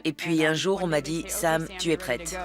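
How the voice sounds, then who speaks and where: A woman's voice: sits low, fairly even intonation, moderate pace, music in the background. A woman who was an orca trainer, recalling her past in an earnest dubbed documentary interview.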